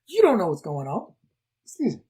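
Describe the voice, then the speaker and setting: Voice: medium pitch, wildly swooping pitch, fairly quick, warm tone, husky. A podcast co-host recapping a movie in a rambling, chatty way with lots of fillers. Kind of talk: casual film discussion.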